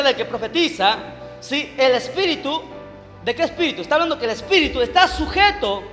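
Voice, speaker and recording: A male evangelist preaching a sermon, shouting Bible verses with emphasis and firing questions at his listeners. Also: very high-pitched, long reverb tail. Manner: emphatic, shouts scripture, asks the audience questions.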